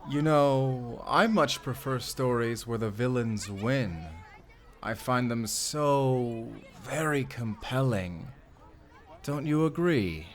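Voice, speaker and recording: A man playing a suave, menacing fantasy villain in an audio drama, speaking with theatrical, deliberate politeness and command. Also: mid-range voice, lightly acted. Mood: sly, intrigued. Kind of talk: audio roleplay acting.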